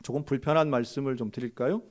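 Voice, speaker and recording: A man's voice: medium pitch, fairly even intonation, fast talker. A middle-aged man preaching a sermon as a pastor, telling a story and acting out the quoted questions and answers, often putting direct questions to his congregation. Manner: storytelling, acts out quoted dialogue with sharp rises.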